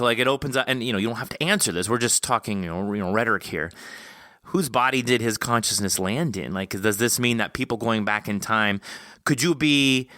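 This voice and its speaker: A man hosting a podcast in a casual interview style, thinking out loud in a rambling way and posing questions. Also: lowish voice, no room sound, studio quality. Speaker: podcast host interviewing an author.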